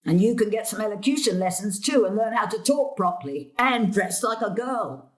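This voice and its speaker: An actress as a mischievous old grandmother in a stage comedy-drama. She is sarcastic and theatrical, with a sharp tongue and a mid-pitched voice, forever needling her family. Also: lively intonation, moderate pace, close to an everyday voice.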